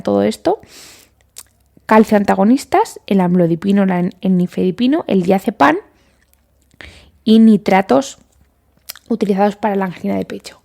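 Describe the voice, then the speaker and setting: A woman's voice: medium pitch, vocal fry, warm tone. A woman doctor, hosting a casual medical podcast and explaining treatments while sometimes acting out her listeners' questions. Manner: conversational, lists items, acts out listener questions.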